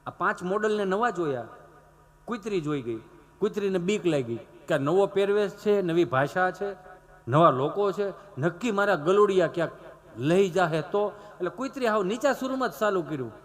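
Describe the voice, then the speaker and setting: A man's voice: sits high, moderate pace. A man with a Saurashtra Gujarati accent, telling a folksy comic story to an audience in a rustic, teasing way. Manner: rustic, animated, playful teasing. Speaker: stand-up comedian.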